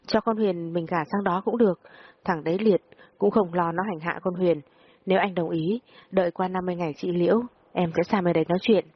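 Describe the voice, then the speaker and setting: A woman's voice: fairly low pitch, steady tone, brisk, slightly rough, no room sound. A woman voicing a meddling, pushy middle-aged aunt who nags and scolds, in a storybook reading. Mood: persuading. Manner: nagging, scolding. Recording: muffled audio, faint music behind.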